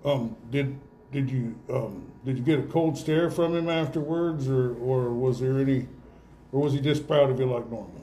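A man with a medium-pitched voice hosts a casual interview at an awards event. He rambles in a folksy, halting style, searching his way through questions. There is faint noise in the room behind him. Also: mellow. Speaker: radio host interviewing high school athletes. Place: indoor room with guests present.

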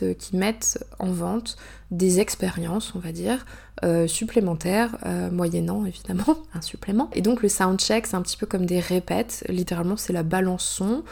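A young woman from France, an author, chatting through a personal story in a casual monologue, full of hesitations, fillers and quick asides. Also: on the low side, creaky, darkish tone.

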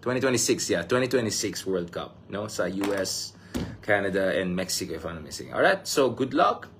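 A Filipino man with a Filipino accent, tired, talking excitedly in a casual football vlog and switching between Tagalog and English. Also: deep voice, brisk, noisy background. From Philippines. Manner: excitable, mixes Tagalog and English, laughs often. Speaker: vlogger.

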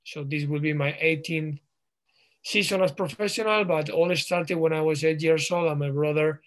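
A man in his thirties from Spain with a Spanish accent, answering interview questions in English with frequent pauses and restarts. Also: on the high side, steady tone. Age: 30s. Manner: halting, frequent ums and restarts. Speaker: guest, professional footballer.

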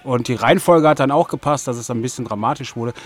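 A man with a mid-range voice talks as an interview guest. He speaks casually and colloquially, halting mid-sentence to find his words. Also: medium pitch. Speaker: interview guest, music producer of an audio drama.

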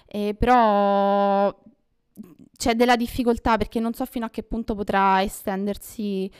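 A woman co-hosting a casual podcast, weighing her points with frequent pauses and fillers. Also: mid-range voice, flat delivery, clear, resonant tone. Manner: thoughtful, hesitant, many fillers. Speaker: podcast co-host. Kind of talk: casual news chat.

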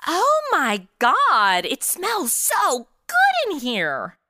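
Brash American twenty-something girl detective voiced by a woman, bright and dry-miked, theatrical, comedic audio drama. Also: sits high, wildly swooping pitch, extremely slow, no echo, exaggerated voice. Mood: relaxed, pleased. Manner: sassy, slangy, theatrical.

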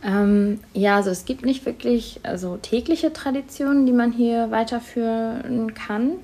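A woman whose first language is Tamil, being interviewed for a school project and answering thoughtfully with many pauses and hesitations. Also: a little high, warm tone. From Germany.

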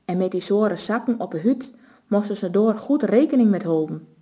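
Mellow-voiced woman reading a story. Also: medium pitch, expressive, normal speed, slightly rough. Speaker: narrator.

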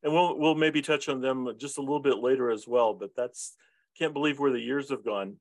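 Male host, mid-pitched voice, affirming, dry close sound. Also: steady tone, brisk, no room sound. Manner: affirming, with repeated backchannels. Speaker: podcast host and interviewer. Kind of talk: friendly interview chat.

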